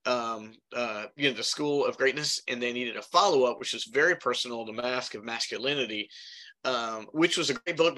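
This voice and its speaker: A man's voice: mid-range voice, sharp tone. A middle-aged man hosting his own podcast in a casual, chatty way, with many fillers and a slightly congested voice from pollen. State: congested from pollen, occasional cough. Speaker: podcast host. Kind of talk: casual solo podcast talk.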